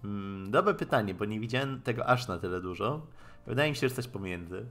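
A man with a fairly low voice streams a game over faint background music. He reads the dialogue out in a halting way and drops in wry asides as he goes. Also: expressive, fairly bright tone. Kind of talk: live game stream, reading dialogue aloud and commenting.

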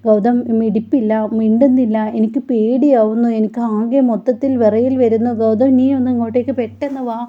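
A woman's voice: on the high side, steady tone, fairly quick, few pauses, phone-quality sound, close to an everyday voice. A woman voicing a frightened young woman. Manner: urgent, pleading.

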